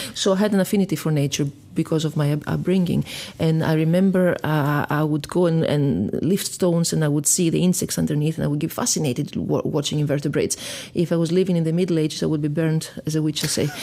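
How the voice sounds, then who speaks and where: Amid noticeable background noise, a woman with a Greek accent talks at a very fast pace in a very deep, low pitch, her loudness very even. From northern Greece, Florina. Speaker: scientist, research director. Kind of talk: interview. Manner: enthusiastic.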